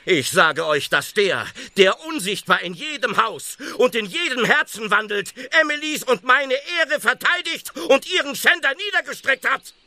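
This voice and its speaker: A man's voice: very high voice, lively intonation, moderate pace, few pauses, bright, forceful tone, dry recording, full character voice. An actor playing a burly, devout village man in an audio drama, defiant and fervent in an emphatic way. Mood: fervent preaching. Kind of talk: German audio drama acting.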